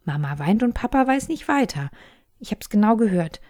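A woman voicing a brave, quick-thinking little girl in a storybook reading, speaking eagerly and insistently. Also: no room sound, clean studio sound, natural voice. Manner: eager, excited, high and insistent.

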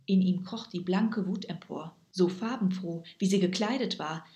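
Woman, storybook narration, lively, expressive, roomy echo. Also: mid-range voice. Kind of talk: storybook reading. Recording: echoey room.

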